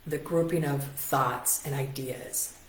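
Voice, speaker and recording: A woman in her forties with a notably low voice coaches on presentation skills in a relaxed, chatty way. She keeps asking her listeners rhetorical questions and checks in with a quick "right?" The sound is roomy and echoey, as if recorded in a bare room at home. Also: a little hiss or hum. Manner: conversational, full of rhetorical questions and tag "right?". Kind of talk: casual online teaching talk.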